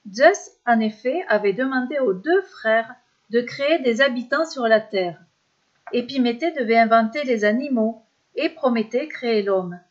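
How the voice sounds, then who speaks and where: A woman storyteller reading a serialized children's story in an expressive, measured way. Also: high voice. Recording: dull lo-fi sound.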